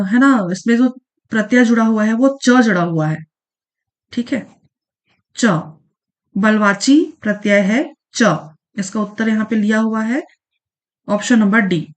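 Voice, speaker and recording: A woman teaching an exam-prep grammar lesson in a casual way, repeating key points and often pausing on fillers. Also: on the high side. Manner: repeats points, frequent fillers and "ठीक है, याद रखिएगा".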